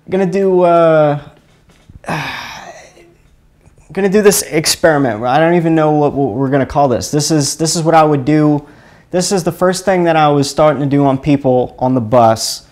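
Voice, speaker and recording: A man's voice: medium pitch, a little mellow. Rambling man with a Louisiana accent. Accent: Louisiana, Chalmette. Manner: rambling, fumbling, repeats words. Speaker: live stream host teaching energy healing. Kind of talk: casual live stream instruction.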